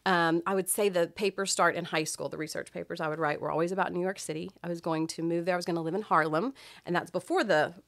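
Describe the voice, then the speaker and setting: A middle-aged woman, telling stories as a podcast guest in a chatty, expressive way. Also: lowish voice, quick pace, gravelly, no room sound. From Texas, US. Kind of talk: casual chat.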